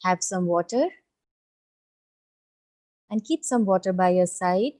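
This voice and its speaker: Slow, mellow woman guiding meditation. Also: fairly low pitch. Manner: gentle, soothing instruction with long pauses. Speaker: guided meditation leader. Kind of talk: guided meditation.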